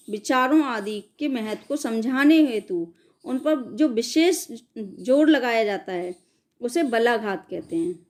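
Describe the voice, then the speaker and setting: A woman's voice: on the high side, darkish tone. A woman teacher giving an exam-prep lecture, explaining step by step and answering her own questions.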